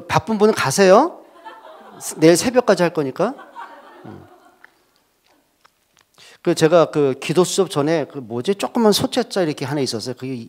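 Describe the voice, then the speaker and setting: A male pastor preaching a sermon, telling stories in an animated way with joking asides. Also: medium pitch.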